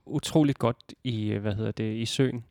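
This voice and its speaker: A man's voice: fairly low pitch, fairly even intonation, creaky, darkish tone, no echo, clean studio sound. A man hosting a casual radio interview, rambling with many fillers. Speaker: radio host.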